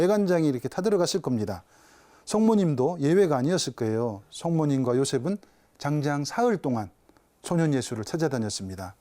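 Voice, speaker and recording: A man's voice: a little high, dark tone. A man, a Catholic priest, giving a televised spiritual talk, telling a story and asking his listeners rhetorical questions.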